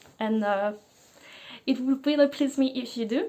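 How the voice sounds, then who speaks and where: A woman with a French accent talks at a high pitch with ordinary pitch variation. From France. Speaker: knitting podcaster. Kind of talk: casual chat. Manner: halting.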